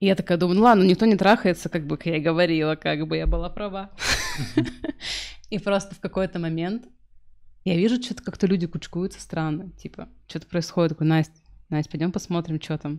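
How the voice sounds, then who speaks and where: Very fast speech from a woman with a fairly low pitch, long and frequent pauses, and a quiet background. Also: ordinary pitch variation. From Siberia, Russia (Achinsk); Siberia, Russia. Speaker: burlesque dancer and twerk teacher; twerk teacher. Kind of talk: casual chat. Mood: animated, playful storytelling. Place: studio. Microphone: studio mic.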